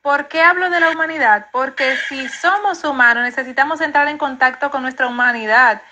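A woman therapist calmly explaining emotions and grief in an interview, in a reassuring, explanatory way. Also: high-pitched, brisk, noisy background.

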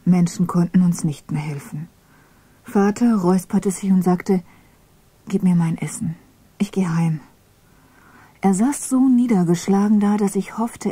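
A woman reading a memoir aloud, narrating in a hushed, mostly whispered voice. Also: medium pitch, moderate pace, slightly rough, dry recording. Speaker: reader of a memoir.

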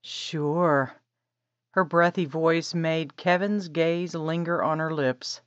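A woman narrating a romance audiobook in a measured, even storytelling manner. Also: low voice, dry recording, highs cut off. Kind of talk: scripted narration.

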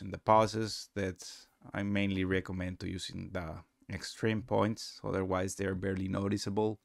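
Low, creaky-voiced man presenting a tutorial. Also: dry recording, clean studio sound. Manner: halting, non-native English phrasing. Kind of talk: casual screen-recorded tutorial narration.

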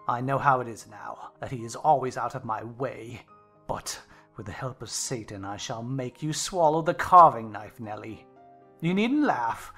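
Volatile, drunken gentleman father played by a woman, threatening rants for a dramatized classic novel, music behind. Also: very deep voice, pitched below the performer's own voice, full character voice. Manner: ranting, threatening, swinging from fury to coaxing. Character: drunken, raging, menacing country gentleman and father. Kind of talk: dramatized audiobook character acting.

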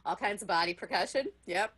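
A middle-aged woman leading a teacher workshop over a video call, chatty and unhurried, often laughing and asking okay. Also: medium pitch, a bit bright. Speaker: music workshop leader for teachers.

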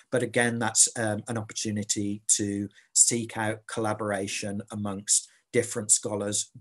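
A man with a low voice speaks in a halting academic manner, rephrasing as he goes. He talks over a video call. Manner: halting, rephrases mid-sentence. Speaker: panel speaker.

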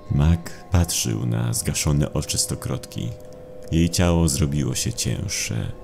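Mężczyzna, narrator słuchowiska grozy, opowiada ponuro i miarowo. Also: male voice, a bass voice, creaky, background noise. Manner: somber, measured storytelling. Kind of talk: scripted horror audio drama narration. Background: music.

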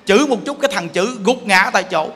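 A man with a Southern Vietnamese accent giving a Buddhist sermon, animated and joking as he puts questions to his listeners. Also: high voice, quick pace, big-room sound, a little hiss or hum. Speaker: Buddhist monk preaching.

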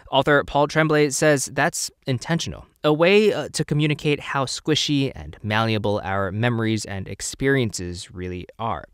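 Lively man hosting a book podcast. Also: mid-range voice, clear, resonant tone, dry recording, clean studio sound. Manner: lively, conversational delivery with a light laugh. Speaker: radio podcast host. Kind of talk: scripted broadcast introduction.

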